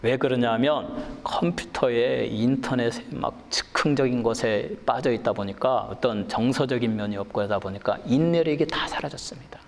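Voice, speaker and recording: Korean pastor preaching in a reverberant hall. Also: male voice, normal speed, hardly any pauses. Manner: animated storytelling, acting out quarrels, swings from low calm to loud high emphasis. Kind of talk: sermon.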